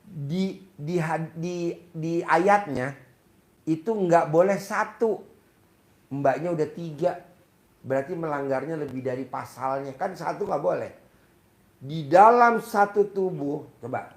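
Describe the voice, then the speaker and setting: A man's voice: on the high side, slow. A man in a casual counseling talk, speaking directly to a woman and acting out sample prayers. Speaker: spiritual advisor. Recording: echoey room.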